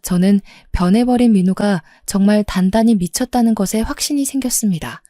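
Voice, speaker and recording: A woman narrating a first-person story in a steady, confiding retelling. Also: medium pitch, a little fast, no room sound, clean studio sound.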